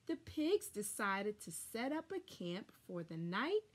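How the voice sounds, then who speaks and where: A young adult woman reading a children's story aloud expressively, with deliberate, dramatic emphasis, recorded indoors on a camera a short distance away. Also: mid-range voice, big pitch swings. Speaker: storybook reader. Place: small furnished room indoors.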